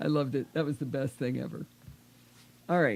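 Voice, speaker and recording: A woman's voice with vocal fry and ordinary pitch variation. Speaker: podcast host. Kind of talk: casual chat.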